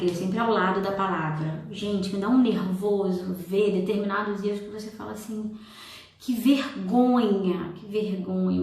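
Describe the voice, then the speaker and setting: A woman teaching a writing class on a casual livestream, chatty, with exasperated asides and mock quotes of her students. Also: mid-range voice. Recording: echoey room, distant from the mic.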